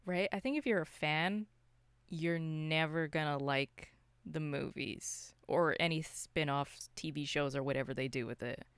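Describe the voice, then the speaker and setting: A podcast co-host from Canada with a clear, smooth voice, recorded close and dry. The talk is casual and slangy, with opinions given freely. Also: mid-range voice, measured pace, a bit bright, dry recording. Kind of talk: casual chat about movies.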